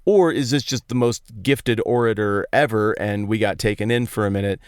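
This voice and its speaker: At normal speed, a man with a clear, resonant, lowish voice hosts a podcast of casual Bible storytelling, colloquial and playfully emphatic. He's an American from Colorado recording in a parked truck, and the sound is dry and clean like a studio.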